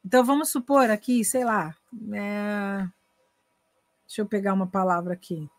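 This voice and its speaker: Lively Brazilian woman teaching English. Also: mid-range voice, normal speed, dry recording. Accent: Brazilian Portuguese. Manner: lively, acts out dialogues, switches between Portuguese and English. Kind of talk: casual online masterclass.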